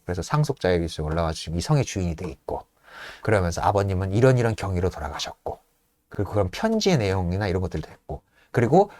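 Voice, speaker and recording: A man hosting a show, retelling a play in a casual, animated storytelling manner from a room at home. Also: sits low, no room sound. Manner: animated, acts out lines with laughs.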